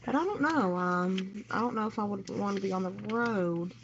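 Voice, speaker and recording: A woman's voice: mid-range voice, animated, normal speed. A woman co-hosting a radio show, presenting and discussing the news in an informal setting. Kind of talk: reading news, then casual discussion. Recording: muffled lo-fi audio with background noise.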